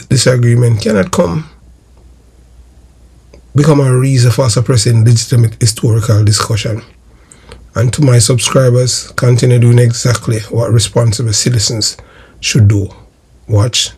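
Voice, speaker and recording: A man's voice: mid-range voice, gravelly, darkish tone, slightly rough. A Jamaican man delivering emphatic political commentary to his viewers in a declamatory way, repeating phrases for emphasis. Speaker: host of a political history video channel.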